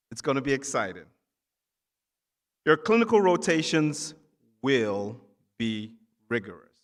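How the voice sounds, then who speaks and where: A man who grew up in Nigeria addresses students from the stage in a mid-pitched voice. He encourages them with emphatic phrases broken by short pauses. The sound carries the long reverb of a large hall. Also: fairly bright tone. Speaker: keynote speaker, physician assistant. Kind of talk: ceremony keynote speech to students. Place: large indoor hall at a ceremony.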